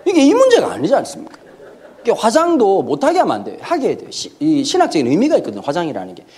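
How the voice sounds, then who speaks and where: Pastor guy cracking jokes in church, high husky voice, talks fast. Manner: animated, comic, acts out quoted voices. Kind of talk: humorous sermon lecture. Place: church sanctuary.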